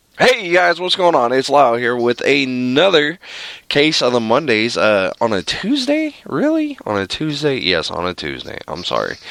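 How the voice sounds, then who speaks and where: Male speaker, moderate speed, noticeable noise in the background. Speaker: podcast host. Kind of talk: casual monologue. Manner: hesitant, many fillers.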